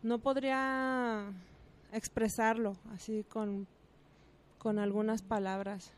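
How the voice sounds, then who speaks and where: A woman's voice: fairly high pitch, little pitch movement, slow. A woman, a guest and mother on a radio talk show, thoughtful and searching for words.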